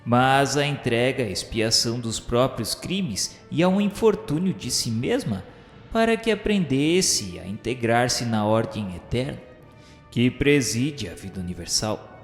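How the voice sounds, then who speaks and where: An actor with a Brazilian accent playing an earnest male spirit who narrates a dark journey in a solemn, literary, carefully enunciated radio drama style. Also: mid-range voice, sing-song, a little slow. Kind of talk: scripted first-person dramatic narration. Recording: reverberant studio sound with music bed.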